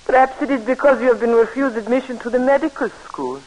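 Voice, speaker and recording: A woman's voice: on the high side, quick pace, darkish tone, close to an everyday voice, low-quality recording. An actress playing a shrewd, coaxing middle-aged French landlady with a French accent, in 1940s radio acting style from an old radio broadcast. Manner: sly, coaxing, theatrical.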